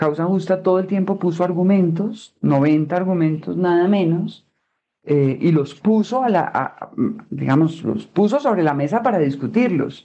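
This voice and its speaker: Her pitch is fairly low and her tone dark and mellow. This woman speaks at a fairly slow pace with lively intonation. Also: very even loudness. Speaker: psychologist and health services director. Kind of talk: interview.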